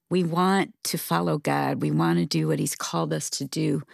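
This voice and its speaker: A middle-aged woman talks candidly on a faith-based marriage show. Her voice sits low with a gravelly fry at the ends of phrases. She sounds heartfelt and open, recorded close and dry in a studio. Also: darkish tone, dry recording. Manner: heartfelt and candid, speaks openly about feelings. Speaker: co-host of a marriage radio show. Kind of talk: earnest faith-based conversation.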